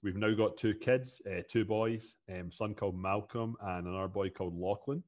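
A man's voice: on the low side, steady tone, moderate pace, darkish tone. A Scottish man in his thirties, a podcast guest talking casually and restarting his sentences often. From Scotland. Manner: chatty, repeats words when starting sentences. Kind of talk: casual interview chat.

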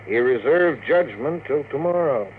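An actor playing a measured, candid lawyer advising a client in a 1950s radio drama. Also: male voice, medium pitch, lively intonation, close to an everyday voice. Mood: grave, careful. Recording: muffled, faintly noisy 1950s radio recording.

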